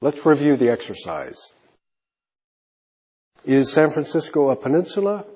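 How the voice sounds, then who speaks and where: A man teaching an English lesson, slowly modelling questions and answers for learners. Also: a little high, sing-song. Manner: modelling example answers clearly, trailing off softly. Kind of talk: slow, deliberate classroom instruction.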